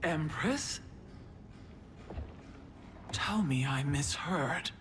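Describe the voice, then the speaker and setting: A woman's voice: low voice, expressive, a little hiss or hum, exaggerated voice. An actress playing an honorable four-armed warrior queen who speaks firmly and steadily. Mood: stern. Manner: firm, measured, steely. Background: cinematic music.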